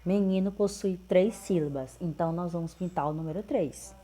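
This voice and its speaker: A woman's voice: fairly low pitch, moderate pace, mellow. A woman teacher, going through workbook answers patiently and repeating each one. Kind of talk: correcting workbook exercises.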